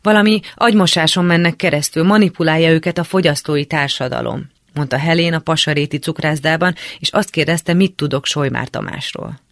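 A woman reading aloud a first-person memoir in a calm, measured storytelling manner. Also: low-pitched, dry recording, clean studio sound. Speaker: reader.

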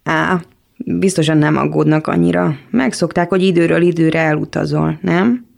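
Woman reading as a soft-spoken odd doctor. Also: low voice, fairly even intonation, creaky. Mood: soothing. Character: slightly mad middle-aged male doctor, soothing.

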